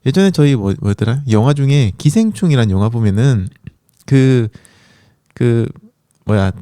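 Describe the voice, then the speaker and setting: A man's voice: medium pitch, lively intonation, moderate pace, dark tone, dry recording, studio quality. A man hosting a running podcast in a chatty, encouraging monologue, with a sore throat from a coming cold. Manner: encouraging, chatty, many fillers.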